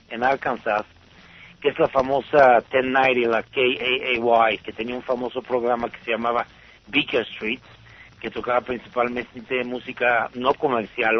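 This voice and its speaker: Older Bulgarian-born man reminiscing, lo-fi. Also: mid-range voice. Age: 60s. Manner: unhurried, rambling with fillers and restarts. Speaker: interview guest. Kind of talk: relaxed storytelling interview. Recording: dull lo-fi sound.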